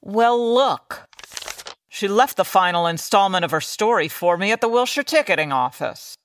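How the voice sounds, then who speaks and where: A woman's voice: mid-range voice, animated, moderate pace, no echo, clean studio sound, natural voice. An actress playing a brash, haughty 1950s woman in a comic radio noir, full of old-fashioned slang. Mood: defensive. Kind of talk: old-time radio acting, comedic.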